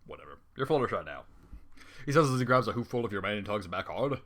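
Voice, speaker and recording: A man's voice: fairly low pitch, very animated, fast, a bit bright. A man reading fan fiction aloud with running commentary, exasperated and sarcastic, swearing often.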